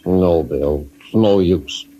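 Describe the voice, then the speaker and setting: An actor playing a grieving old salvage engineer who is stubborn and talks in a halting, hesitant way, in an old radio drama. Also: male voice, low-pitched, mellow, poor audio. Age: older. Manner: halting, hesitant, heavy-hearted. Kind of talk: 1950s radio drama acting. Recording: old radio broadcast with faint hiss.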